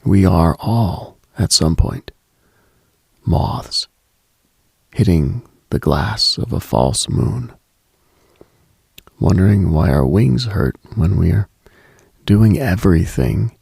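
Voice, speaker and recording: Slow, husky low-voiced man. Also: lively intonation, warm tone, no room sound. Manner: contemplative, measured, deliberate pauses. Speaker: late-night radio host. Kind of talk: slow reflective late-night monologue, ASMR-like.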